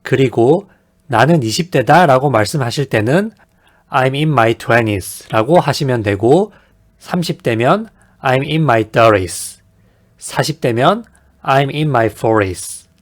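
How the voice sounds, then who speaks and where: Man teaching in a measured, polite way. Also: medium pitch, expressive. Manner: measured, explanatory, polite formal delivery. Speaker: English teacher for beginners. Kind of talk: scripted instructional narration.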